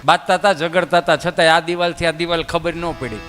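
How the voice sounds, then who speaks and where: A man's voice: on the high side, steady tone, fairly quick, fairly bright tone, big-room sound, soft background music. A man, telling folk comedy stories on stage and acting out village characters in changing voices. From Gujarat, India.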